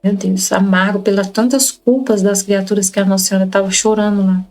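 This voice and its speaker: Brazilian woman, mid-pitched, leads a Catholic study group, reads and explains devotional text with earnest repetition, faint music behind. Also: steady tone, brisk, a little mellow, rough recording. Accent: Brazilian Portuguese. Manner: earnest, repeats phrases to stress them. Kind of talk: reading and explaining devotional texts.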